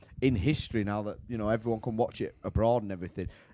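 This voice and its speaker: A man talks very fast with a British accent. His tone is dark and mellow. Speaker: producer and co-host. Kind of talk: live-streamed sports chat. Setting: live stream.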